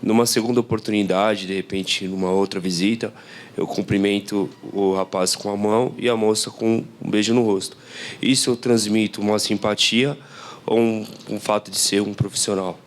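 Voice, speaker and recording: A man's voice: fairly low pitch, steady tone, moderate pace. A man in the audience, asking a question in a hesitant, careful way. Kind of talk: question from the floor.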